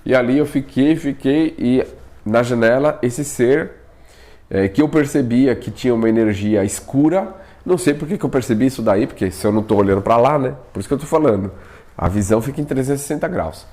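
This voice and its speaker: A man's voice: medium pitch, a little fast. A man, telling a personal experience in casual spoken storytelling and acting out what he said back then. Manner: animated, acts out his own past pleas, often asks himself "por quê?".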